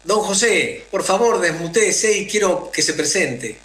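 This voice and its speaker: A man's voice: sits high, lively intonation, unhurried, fairly bright tone. A man hosting a radio interview, polite and formal as he moderates his guests. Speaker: radio host. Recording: roomy echo.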